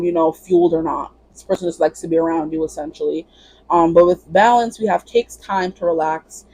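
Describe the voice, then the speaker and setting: Husky-voiced woman giving a chatty tarot reading. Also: on the low side, warm tone, dry recording, poor audio. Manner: chatty, rambling, heavy use of "like" and "you know". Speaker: tarot reader. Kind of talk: casual pick-a-card tarot reading.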